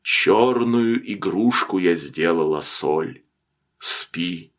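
A man reading an audiobook and voicing a stern middle-aged sailor, who speaks in a measured, grave way and drops to a hush when talking to his child. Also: sits low, animated, voice pushed down, heavily acted. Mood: hushed tender.

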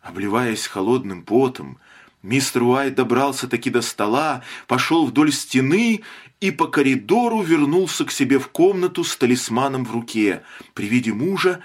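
Man reading a dark tale aloud. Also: medium pitch, expressive, moderate pace. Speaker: narrator. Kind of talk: dramatic audiobook reading.

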